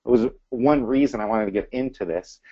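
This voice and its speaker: A man coaching a group over an online call, energetic and asking his listeners questions, his audio clipped and breaking up. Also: mid-range voice, fairly quick. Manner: energetic, asks the audience questions. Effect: clipped, breaking-up call audio fading in and out. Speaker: real estate coach hosting a group call. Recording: dull lo-fi online call line.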